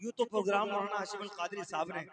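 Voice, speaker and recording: A man giving a fiery religious speech to a gathering from a stage, repeating phrases and building up to shouting. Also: high-pitched, steady tone, fast talker. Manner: rhetorical repetition, builds to shouting. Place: large stage tent at a gathering. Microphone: stage microphone. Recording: echoey, distant, crowd noise.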